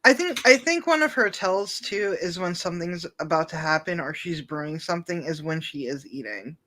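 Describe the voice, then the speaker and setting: Bright, forceful woman chatting casually. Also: on the low side, lively intonation, moderate pace. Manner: informal, sweary. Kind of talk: opinionated casual chat.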